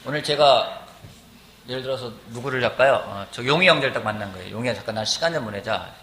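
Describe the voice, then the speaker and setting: Animated Korean pastor preaching, bright voice. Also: male voice, medium pitch, quick pace, slight background noise. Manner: animated, asks the congregation questions. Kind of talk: sermon. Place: church sanctuary.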